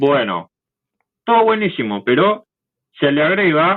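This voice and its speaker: A man with an Argentine accent speaks with very wide pitch swings. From Argentina. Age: young. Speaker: accessibility consultant. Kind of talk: interview answer.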